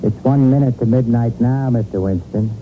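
An actor playing a menacing, vengeful American gangster in a 1940s radio crime drama, talking tough, slangy and taunting. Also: male voice, mid-range voice, normal speed, close to an everyday voice. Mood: taunting menace. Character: menacing, vengeful gangster racketeer, sneering and cocky. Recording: muffled vintage radio broadcast, loud music.

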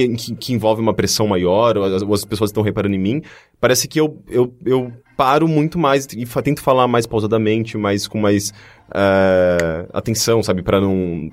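Low-voiced Brazilian man, halting casual talker. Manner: halting, repeats and stumbles over words. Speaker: podcast co-host. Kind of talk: casual conversation. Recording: music behind.

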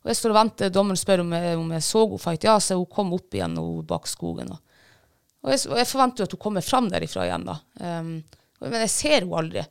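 Gravelly-voiced woman telling a story. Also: lowish voice. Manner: lively retelling with many fillers and restarts. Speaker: guest, bird dog handler. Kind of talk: casual storytelling.

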